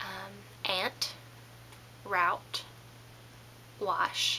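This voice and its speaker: In a whisper, a woman speaks with an American accent. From Kentucky, US. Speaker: vlogger. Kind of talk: casual talk to camera. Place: home room. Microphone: webcam.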